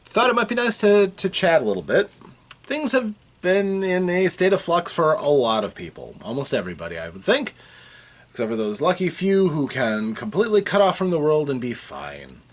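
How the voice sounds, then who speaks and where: A man talking casually to his viewers from his basement, rambling with frequent fillers and restarts, his voice still a bit rough from a recent cold. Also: medium pitch, a bit bright. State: recovering from a cold, slightly rough voice. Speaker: vlogger. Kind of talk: casual chat to camera. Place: home basement.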